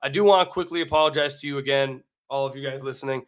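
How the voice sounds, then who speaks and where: Talking fast in a mid-range voice, an American podcast host gives solo basketball commentary that includes a sponsor read. He is emphatic and repeats phrases, and being sick has left his voice a little raggedy.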